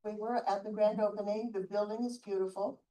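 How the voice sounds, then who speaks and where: A woman's voice: mid-range voice, steady tone, fairly quick, dark tone. A woman on a community board asking a question politely and appreciatively. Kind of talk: public meeting question. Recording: roomy distant meeting-room mic.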